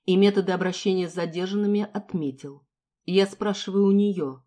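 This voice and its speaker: A woman reading the part of a calm, caring young man who talks softly but firmly, in an audiobook. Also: medium pitch, moderate pace, close to an everyday voice. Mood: concerned, firm.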